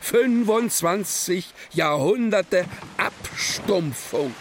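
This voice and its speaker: A man reciting grave, reflective verse with deliberate, halting phrasing and weighty pauses. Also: high-pitched, animated, heavily acted. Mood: bitter, weary. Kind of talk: poetic recitation. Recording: faint background noise and ambience.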